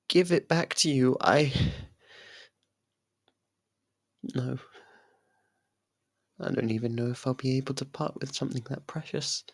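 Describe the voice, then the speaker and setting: A performer voicing a possessive, lovestruck young faerie royal in an intimate ASMR roleplay, speaking softly and haltingly. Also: mid-range voice, creaky, breathy edge, no room sound, exaggerated voice. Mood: pleading, possessive. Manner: hesitant, halting, soft and pleading.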